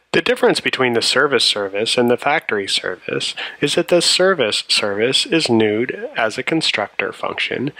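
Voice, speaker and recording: Male programming instructor, mid-pitched and bright, methodical screencast narration. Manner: methodical, explanatory. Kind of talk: tutorial narration over a screencast.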